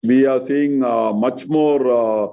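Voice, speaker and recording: A man's voice: mid-range voice, fairly even intonation. Distant man on a dull call line. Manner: measured, halting, repeats words. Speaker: company executive. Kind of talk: earnings conference call answers. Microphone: conference call line.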